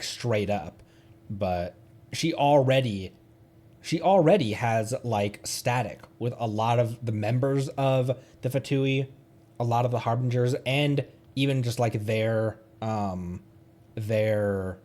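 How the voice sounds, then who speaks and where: Slow-paced, casual male game streamer. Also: mid-range voice, a little mellow. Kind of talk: casual livestream chat while gaming. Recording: music underneath. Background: background music.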